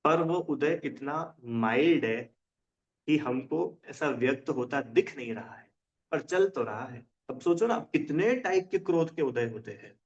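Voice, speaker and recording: A man's voice: medium pitch, expressive, measured pace. A man teaching a religion class in casual Hindi. He often checks whether his students understand and explains with everyday examples. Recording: dull lo-fi sound.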